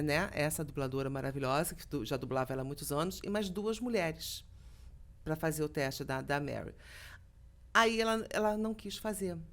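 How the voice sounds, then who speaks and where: A middle-aged woman from Brazil, a voice actress being interviewed on a podcast, telling stories and acting out quoted dialogue. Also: fairly low pitch. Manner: lively storytelling, acts out quoted dialogue. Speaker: voice actress, guest.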